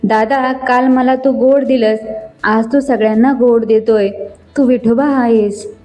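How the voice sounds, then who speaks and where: A woman voicing a poor, gentle village boy of about seven, speaking softly and simply in a storybook tale. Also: a little high, steady tone, unhurried, faint music behind, lightly acted. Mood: tender.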